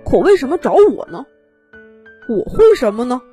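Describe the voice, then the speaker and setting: Woman doing a high-voiced, self-doubting young brachiosaurus. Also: sing-song, normal speed, dark tone, faint music behind. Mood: puzzled, doubtful.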